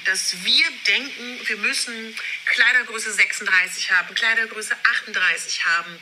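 A woman's voice: a little high, bright, forceful tone, a little hiss or hum. A woman giving a passionate motivational talk with emphatic repetitions, heard through video audio that was re-recorded for a podcast, so the sound quality is poor. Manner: passionate, emphatic, repeats words for effect. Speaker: podcast host. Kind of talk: motivational self-love talk. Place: friend's garden shed.

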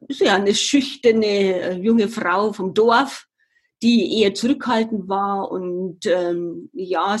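An older woman with a very breathy, husky voice talks as a podcast guest. She tells her story in an earnest, reflective manner, pausing now and then to find her words. Her pitch is mid-range for a woman. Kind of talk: personal storytelling in a conversation.

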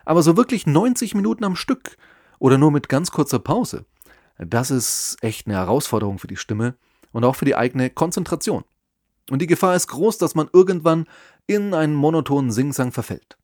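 A man giving scripted advice on public speaking, in a measured, explanatory way with lively emphasis. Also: on the high side, dry recording, clean studio sound. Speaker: podcast host and speaking coach.

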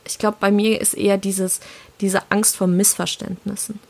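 A young adult woman from southwestern Germany, co-hosting a podcast in casual chat, reflective and often halting as she searches for words. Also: mid-range voice, little pitch movement, darkish tone. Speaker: podcast co-host.

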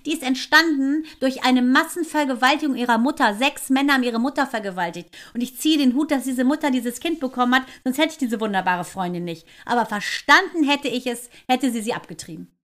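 A woman with a slightly high voice holds forth in a relaxed chat. She talks quickly and emphatically in everyday slang, and she turns indignant easily. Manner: fast, emphatic and colloquial, with indignant outbursts. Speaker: podcast co-host. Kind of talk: casual conversation.

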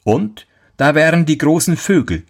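A man voicing a kindly talking white horse that calmly advises its rider in a storybook tale. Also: a little high, moderate pace, creaky, voice pushed up, heavily acted. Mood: advising.

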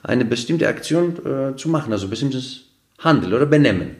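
Briskly and expressively, a non-native speaker whose first language isn't German explains ideas on a podcast using everyday examples. His medium-pitched voice is a little mellow, and his casual, earnest explanations include many fillers and restarts.

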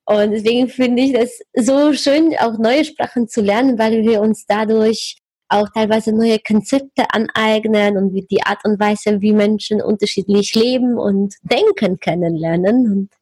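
A woman born in Poland hosting an interview podcast, speaking lively conversational German, laughing often and searching for words now and then. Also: on the high side, unhurried, husky, no room sound. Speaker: podcast host.

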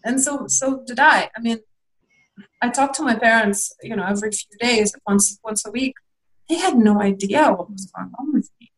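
A woman's voice: on the high side, moderate pace, poor audio. A young woman from Lithuania, a guest in a candid interview, talking reflectively with hesitant restarts and small laughs.

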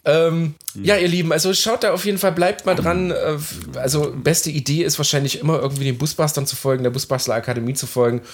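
A man's voice: a little high, quick pace, few pauses. A man co-hosting a casual podcast, chatty and friendly, addressing the listeners directly and laughing easily. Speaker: podcast co-host.

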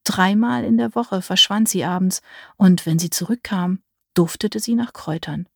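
A woman reading a dark fairy-tale story in first person, measured and vivid. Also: mid-range voice, vocal fry, no echo, studio quality. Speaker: audiobook narrator. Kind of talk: scripted first-person narration.

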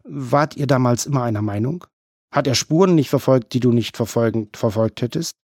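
A man voicing a brisk, mocking female police chief who needles her colleagues with pointed questions. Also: medium pitch, a little mellow, breathy edge, no room sound, clean studio sound. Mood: probing.

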